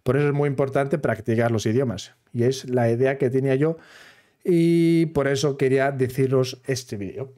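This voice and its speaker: A man from Switzerland with a Swiss accent, talking casually to camera as a gaming video creator, in careful, halting Spanish that is not his everyday language. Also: medium pitch, fairly even intonation, mellow. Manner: careful, halting Spanish of a non-native speaker.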